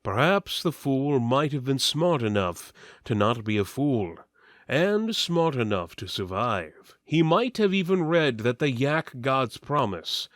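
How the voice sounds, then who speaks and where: A man's voice: mid-range voice, big pitch swings, slow, fairly bright tone, no room sound, studio quality. A man giving a theatrical, mock-solemn dramatic reading of epic fantasy as narrator.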